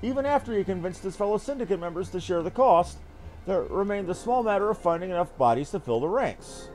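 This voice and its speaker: A man's voice: high voice, expressive, fairly quick, a little mellow. A man voicing a dutiful military captain who reports in formal, archaic words. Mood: earnest, explaining. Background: game music.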